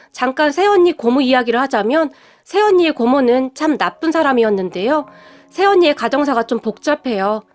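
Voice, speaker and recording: High-voiced woman narrating a story. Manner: even, reported-speech storytelling. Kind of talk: scripted narration of a reader's story. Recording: faint music behind.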